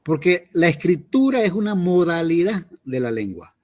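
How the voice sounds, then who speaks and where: A man's voice: on the high side, very animated, normal speed, a little mellow. A man, a teacher lecturing his class in an online lesson, explaining patiently and often checking in with his students.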